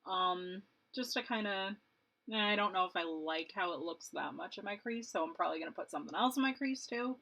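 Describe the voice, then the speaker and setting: A woman's voice: fairly low pitch, a little fast, gravelly, bright, forceful tone, low-quality recording. A woman in her late twenties, a beauty vlogger chatting casually and rambling while she does her makeup, laughing often. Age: 20s.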